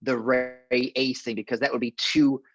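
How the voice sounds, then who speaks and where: A man's voice: medium pitch, steady tone, moderate pace, breathy edge, no room sound, lo-fi sound. A man appearing as a podcast guest in casual chat, making wry comments and laughing often.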